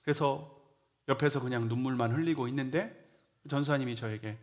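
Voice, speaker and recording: A middle-aged male pastor giving a Sunday sermon in a church, telling a personal testimony earnestly and moving between loud emphasis and hushed near-whispers. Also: medium pitch, fairly quick. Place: church sanctuary.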